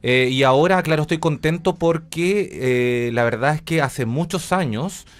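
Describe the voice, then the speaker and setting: A man's voice: on the high side, normal speed. A man with a Chilean accent speaking as a radio interview guest, explaining things in an informal, enthusiastic way. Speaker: interview guest, radio drama director and academic.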